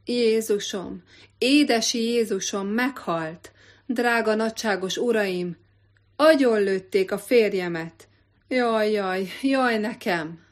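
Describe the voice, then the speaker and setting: A woman voicing a shrewd, theatrical peasant wife who laments and pleads loudly. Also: medium pitch, lightly acted. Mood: wailing.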